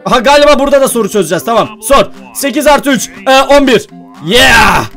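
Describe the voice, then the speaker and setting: A young man chatting through a let's-play with a very high voice that leaps all over. He talks straight to his viewers, jumpy and quick to yelp when scared. Faint music plays behind him. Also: expressive, fairly bright tone. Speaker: gaming YouTuber. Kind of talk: casual let's-play commentary.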